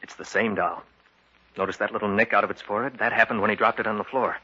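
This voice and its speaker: A man's voice: on the low side, steady tone, quick pace, sharp tone, breathy edge. An actor playing a young man who narrates his own eerie tale, speaking earnestly in 1940s radio style. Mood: casual. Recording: dull old radio broadcast with music.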